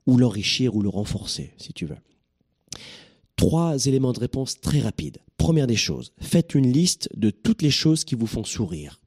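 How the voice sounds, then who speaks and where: A man from southern France giving an energetic, joking motivational talk to his listeners. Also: medium pitch, moderate pace, slightly rough. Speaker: motivational speaker.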